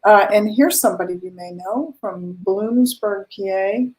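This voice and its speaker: A woman's voice: medium pitch, a little slow, a little mellow, low-quality recording. A woman hosting a live online event, chatting casually and greeting viewers.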